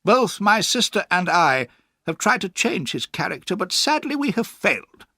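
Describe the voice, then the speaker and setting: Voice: mid-range voice, very animated, normal speed, bright, forceful tone, no echo, clean studio sound, pitched above the performer's own voice, exaggerated voice. A narrator voicing a cold, controlling stepfather who speaks curtly and crossly. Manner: curt and cross.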